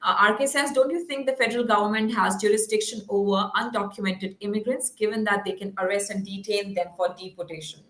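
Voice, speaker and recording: A woman's voice: mid-range voice, steady tone, fairly quick, few pauses, a bit bright. A woman hosting an online talk show, reading out viewer questions with many hesitant fillers. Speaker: show host. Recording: roomy echo.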